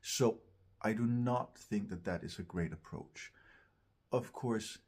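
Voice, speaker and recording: A man with a lowish, husky voice gives instruction as a vocal coach. He talks at an unhurried pace, searching for his phrasing and repeating words for emphasis. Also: darkish tone. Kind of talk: instructional talk to camera.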